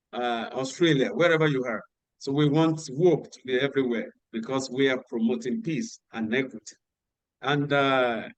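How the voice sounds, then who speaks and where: A man hosting an online workshop on a video call, giving instructions and repeating key details slowly. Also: medium pitch, dry recording, rough recording. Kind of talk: announcements at an online meeting.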